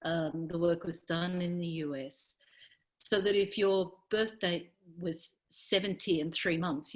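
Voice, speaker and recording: A woman explaining research before asking a question at an online town hall. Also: lowish voice.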